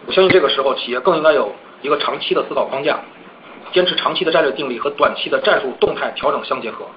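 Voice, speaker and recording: A man's voice: on the high side, rapid-fire. A man formally delivering prepared executive remarks on a corporate earnings call. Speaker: company executive. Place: conference call. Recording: dull conference call, faint noise.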